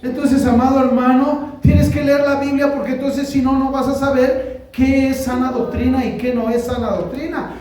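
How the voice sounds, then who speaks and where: A man's voice: extremely high pitch, little pitch movement, normal speed, darkish tone. A man with a Mexican Spanish accent preaching a conversational sermon as pastor, often asking the congregation questions. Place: church hall. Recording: very echoey hall from far off, faint noise.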